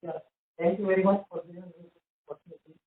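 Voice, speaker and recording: A man's voice: sits high, fairly even intonation, quick pace, husky. A man with an Indian accent, an individual investor putting questions on a conference call. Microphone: phone handset. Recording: narrow, tinny phone line.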